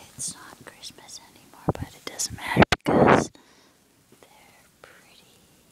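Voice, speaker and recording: Whispering at a fairly slow pace with big swings in loudness, a woman is heard in a dry, close sound with no echo against noticeable background noise. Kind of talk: ASMR talk to camera. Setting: close-up microphone. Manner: whispered, soft-spoken.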